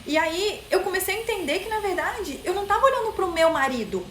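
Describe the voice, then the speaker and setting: A woman's voice: very high voice, very animated, fast, a bit bright, a little hiss or hum. A woman with a Brazilian Portuguese accent hosting a casual live talk on mental health. She talks straight to her viewers in a chatty way. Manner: chatty, addresses viewers directly. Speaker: mental health content host. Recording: roomy echo.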